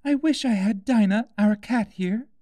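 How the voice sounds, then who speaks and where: A man's voice: high-pitched, measured pace, dark tone, dry recording, clean studio sound, pitched above the performer's own voice. A man voicing an earnest, wistful, polite young girl in a storybook tale. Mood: wistful, lonely.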